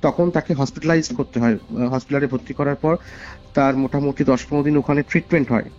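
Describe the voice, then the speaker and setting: Speaking fast and steadily in a mid-range, darkish voice, a Bengali-accented caller from West Bengal, India, tells a personal story conversationally, earnestly repeating phrases for emphasis. It's a dull, lo-fi call recording with music playing underneath.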